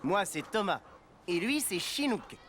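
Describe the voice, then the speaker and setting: A man's voice: sits high, sing-song, measured pace, a bit bright, exaggerated voice. A man voicing a friendly, patient sled-dog driver in a children's cartoon, explaining things encouragingly. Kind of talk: animated children's cartoon dialogue.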